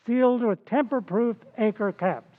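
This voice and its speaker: A man's voice: very high voice, normal speed, no echo. Tinny-sounding male radio announcer. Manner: formal, polished sales delivery. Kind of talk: scripted old-time radio advertisement.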